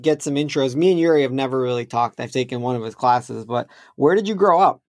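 Man, podcast host, gravelly, relaxed chatty delivery. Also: mid-range voice, brisk, dry recording, clean studio sound. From Chechnya. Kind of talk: casual interview chat.

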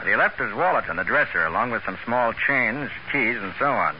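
An actor playing a calm, reasonable master detective in a 1940s radio crime drama. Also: male voice, mid-range voice, brisk, natural voice. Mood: thoughtful. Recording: muffled, hissy old radio recording.

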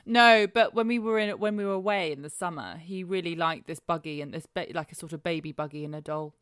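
A woman from England co-hosting a casual chat, talking freely and trailing off softly at the ends of remarks. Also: on the low side, fairly quick, clean tone, dry recording, studio quality. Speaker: podcast co-host.

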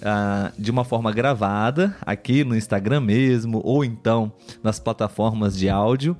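Hosting a live podcast chat for people learning Portuguese, this Brazilian man has a fairly low, slightly mellow voice. His speech is clear and measured, and he often turns to his co-host to check in.

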